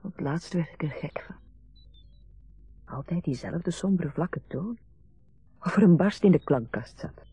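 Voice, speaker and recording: A husky, dry-witted grown daughter. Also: female voice, on the low side, lively intonation, measured pace, pauses often, dark tone, no room sound, soft background music, exaggerated voice. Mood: weary, wry. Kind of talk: naturalistic radio drama acting.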